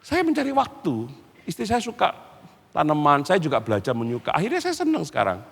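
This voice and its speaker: Animated preacher in a large hall. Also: male voice, on the high side, fairly quick, gravelly, husky. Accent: Indonesian from Surabaya. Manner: animated storytelling, acting out family dialogue. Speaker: pastor. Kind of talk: sermon. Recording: long hall reverb.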